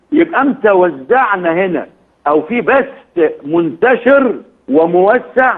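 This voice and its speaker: In an animated tone, a man's voice makes very wide pitch swings. The background is quiet. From Egypt. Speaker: retired police general, security expert; guest. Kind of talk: TV interview. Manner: animated, emphatic. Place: studio.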